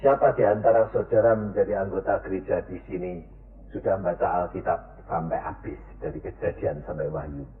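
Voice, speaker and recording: A man preaching a sermon, swinging between high cries and low murmurs as he questions his congregation. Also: steady tone, brisk. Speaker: evangelist preacher. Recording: echoey, tinny lo-fi sermon tape.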